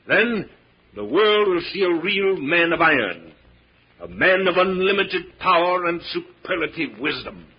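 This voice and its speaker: An actor playing a grandiose, menacing mad professor in an old-time radio drama, theatrical and commanding. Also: male voice, high voice, sing-song, unhurried, slightly rough, muffled recording, full character voice.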